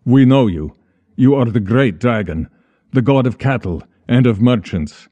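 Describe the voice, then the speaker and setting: A man voicing a nervous young male soldier who speaks quickly to please a god. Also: mid-range voice, expressive, mellow, no room sound, dull audio, voice pushed up. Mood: placating. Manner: hurried, placating.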